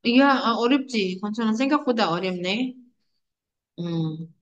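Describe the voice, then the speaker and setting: A woman's voice: a little high, animated, normal speed, muffled recording. A young adult woman teaching an online language lesson, chatty and playful, calling on her students by name.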